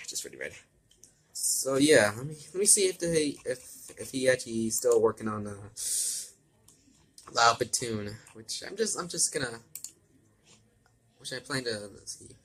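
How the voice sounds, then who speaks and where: A man's voice: medium pitch, a bit bright, husky. A man reading fan fiction aloud as an amateur, stumbling over words, repeating and correcting himself and adding his own asides.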